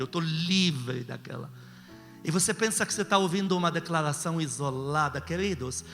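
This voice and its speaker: A pastor speaking with a Brazilian accent delivers an emphatic call-and-response sermon, urging his congregation on with rhetorical questions. His voice is a little high, creaky and fairly bright. Behind him are music and a long hall reverb.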